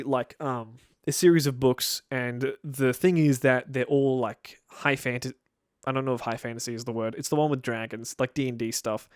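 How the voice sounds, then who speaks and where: A man's voice: medium pitch, dry recording, studio quality. A young man talking to the camera in a casual, rambling way, wry and full of self-interruptions. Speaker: video creator. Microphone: camera-facing mic.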